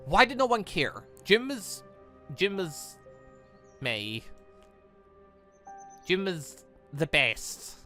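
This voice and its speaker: A man's voice: sits high, big pitch swings, extremely slow, long pauses, pushed and bright, soft background music, heavily acted. A man voicing a grieving, stubborn young huntress in a visual novel, emotional and insistent.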